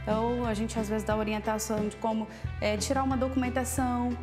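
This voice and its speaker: A woman's voice: fairly high pitch, level tone, brisk, music in the background. A woman on school staff with a Brazilian accent, speaking reflectively in a documentary interview and often adding "né". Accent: Brazilian Portuguese. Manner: reflective, with frequent "né".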